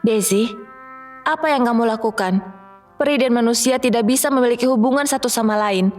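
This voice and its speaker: A woman's voice: fairly high pitch, brisk, a little mellow, soft background music, close to an everyday voice. A woman playing a stern, regal Fairy Queen who speaks with command in a children's cartoon fairy tale.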